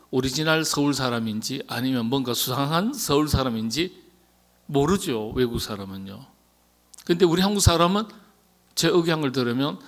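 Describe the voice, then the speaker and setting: A man's voice: mid-range voice, fairly bright tone. Pastor talking casually with his congregation. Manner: conversational, asks the congregation questions and answers himself; drops to a whisper at the ends of phrases. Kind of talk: sermon at a Wednesday prayer meeting.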